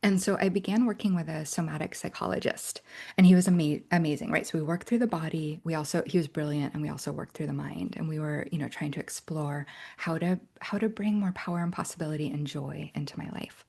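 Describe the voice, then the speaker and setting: A middle-aged woman coaching an online workshop, her lowish voice husky and edged with a gravelly fry. She talks earnestly and keeps checking in with listeners. Now and then she drops into soft, breathy, whispered asides. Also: steady tone, quick pace. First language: English. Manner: earnest, often checks in with "right?".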